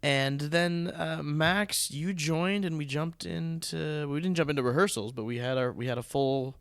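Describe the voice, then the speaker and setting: A man's voice: a little high, moderate pace, fairly bright tone, smooth, no room sound. Man hosting, dry close sound. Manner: bantering, teasing. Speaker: podcast host, theatre producer. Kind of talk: casual podcast interview.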